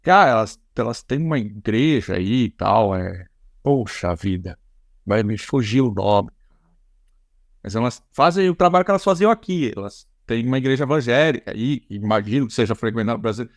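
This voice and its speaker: A man's voice: medium pitch, animated, normal speed, no room sound, studio quality. A man with a Brazilian accent hosting a casual podcast interview, talking in loose, rambling sentences full of restarts and fillers. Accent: Brazilian Portuguese. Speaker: podcast host.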